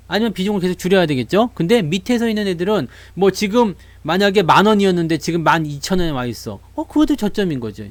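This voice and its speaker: Male stream host, casual market talk, high lively pitch, dry room. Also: no room sound. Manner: animated, acts out investors' voices. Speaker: stock market YouTuber.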